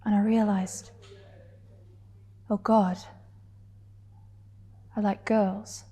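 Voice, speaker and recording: A woman performing a dramatic stage monologue as a hurt, defiant gay woman confronting her partner, deliberately and with heavy pauses. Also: mid-range voice, level tone, warm tone, breathy edge. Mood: hushed, confessional.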